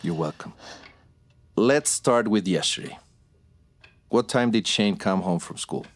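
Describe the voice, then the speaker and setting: A man playing a calm, deep-voiced detective. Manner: calm, measured, reassuring. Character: calm middle-aged male detective, patient and steady. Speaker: police detective.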